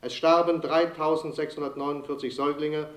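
An actor in a radio drama playing an impersonal official announcer reading formal statistics, with an echoey sound. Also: male voice, a little high, flat delivery, brisk, fairly bright tone, lightly acted.

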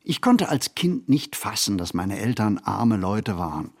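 An actor playing a reflective ageing writer in a literary radio play monologue, phrasing in a measured, deliberate way. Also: male voice, on the low side, big pitch swings, heavily acted. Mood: wistful, wry. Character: reflective ageing male writer recalling a poor childhood.

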